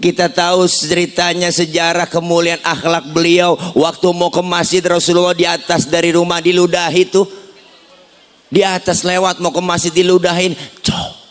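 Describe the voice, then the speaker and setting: A man's voice: sits high, normal speed, soft background music. A man preaching a comic sermon, telling stories and slipping into funny voices. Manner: lively, jokey, slips into voices. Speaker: Islamic preacher.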